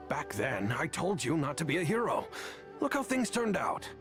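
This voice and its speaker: A man voicing a stern, weary, disapproving middle-aged father in an anime-style video game, with a gravelly voice. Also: a little high, huge pitch swings, measured pace, over music. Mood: reproachful.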